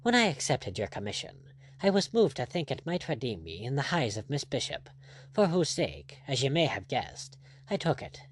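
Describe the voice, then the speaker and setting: A man's voice: medium pitch, sing-song, normal speed. A man voicing a gallant, ironic pirate captain in an audiobook, teasing and courtly in manner. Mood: earnest, wistful.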